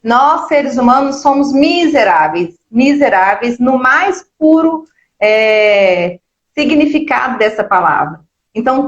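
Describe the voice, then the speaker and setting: A woman talks in a casual, earnest way, stumbling over fillers and repeating words as she speaks. Her voice sits fairly high. It comes through a roomy, slightly muffled online stream. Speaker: book club co-host. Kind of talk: casual religious discussion. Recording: echoey, somewhat dull online stream.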